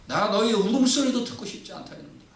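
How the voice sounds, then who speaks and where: A pastor voicing God as a stern, commanding figure who scolds a disobedient people, in a curt, raised tone, heard from a distance in an echoey church hall. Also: male voice, high-pitched, fast, slight background noise, voice pushed up, close to an everyday voice.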